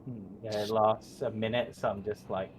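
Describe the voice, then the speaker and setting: A man playing a tabletop game, talking in a relaxed, hesitant way with many fillers. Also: fairly low pitch, unhurried, a little hiss or hum. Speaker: player. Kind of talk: casual tabletop play.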